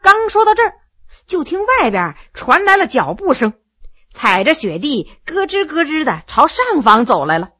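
A woman telling a historical story in expressive narration. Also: high-pitched, normal speed, lo-fi sound.

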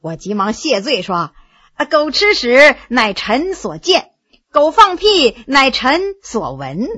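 A witty middle-aged court scholar spins a joke at an unhurried, sly pace, as a woman reads him. The voice sits bright and a little husky. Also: high voice, sing-song, lo-fi sound, exaggerated voice.

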